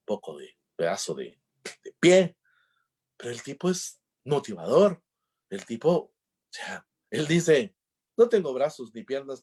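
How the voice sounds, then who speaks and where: A man's voice: medium pitch, warm tone. A man giving a talk on emotional intelligence, telling jokey stories and acting out the dialogues. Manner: jokey storyteller, acts out dialogues. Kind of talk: conference talk with anecdotes.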